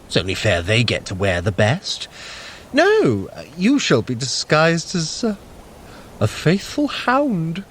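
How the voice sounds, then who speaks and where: An actor playing a clever, sly, haughty trickster god in an audio drama, with an arch, theatrical, condescending manner. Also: male voice, on the high side, huge pitch swings, slow pace, a little hiss or hum, heavily acted. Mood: wry, commanding. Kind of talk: scripted audio drama acting.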